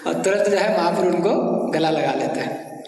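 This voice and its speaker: A man preaching, telling a devotional story in a lively way and acting out the dialogue. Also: high-pitched, moderate pace. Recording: echoey hall, voice from far off.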